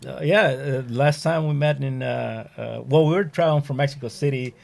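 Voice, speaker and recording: A middle-aged man, a retired firefighter and fire training instructor, telling stories in casual conversation, rambling and filling every pause with "you know". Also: mid-range voice, creaky.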